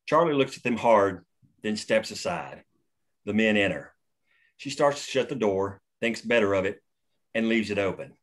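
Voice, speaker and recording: A man reading screenplay stage directions at a table read in a steady, matter-of-fact way. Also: on the low side, normal speed. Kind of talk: reading screenplay action lines.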